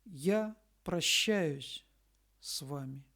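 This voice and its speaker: Slow, solemn woman reading scripture-like text. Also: sits low, lively intonation, fairly bright tone. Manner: measured, deliberate, with long pauses between short phrases. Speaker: spiritual messenger reading a message.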